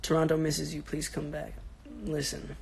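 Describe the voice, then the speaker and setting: A young man in his twenties with a raspy, sick-sounding voice, chatting casually and answering fans on a phone livestream from his bedroom. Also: a little high, completely flat delivery, normal speed, darkish tone, slight background noise. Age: 20s. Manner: laid-back, rambling, slangy, answering fans. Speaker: social media personality on a livestream. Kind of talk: casual livestream chat reading comments. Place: bedroom at home.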